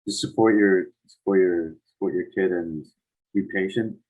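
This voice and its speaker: A young man in his late teens, a student talking casually in a tentative, measured way. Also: low voice, darkish tone, dull audio. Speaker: high school student in conversation. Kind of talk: casual conversational interview.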